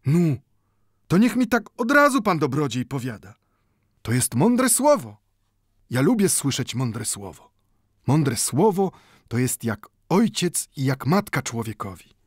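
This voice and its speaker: A man's voice: medium pitch, very animated, unhurried, long pauses, no room sound, studio quality, pitched above the performer's own voice. A man voicing an old Jewish bookbinder in an audiobook, speaking broken Polish full of "nu" and growing heated as he pleads. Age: older.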